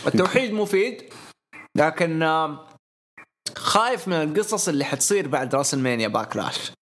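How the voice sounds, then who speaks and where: This podcast co-host is a talkative, opinionated man who works through his views as lists in casual conversation. He speaks briskly and animatedly, his voice on the high side with a fairly bright tone.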